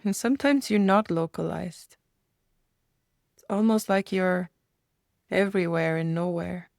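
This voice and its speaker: A woman with a slightly low, gravelly voice leads a guided meditation. She offers gentle invitations and leaves space for reflection between them, and the sound is very dry with no surrounding room.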